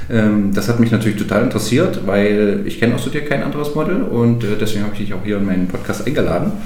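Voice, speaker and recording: Speech comes at a very fast pace with hardly any pauses and ordinary pitch variation. Audible room echo and noticeable background noise fill the recording. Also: man, fairly low pitch for a man. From southern Saxony-Anhalt. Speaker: podcast host, teacher. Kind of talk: interview. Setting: in person.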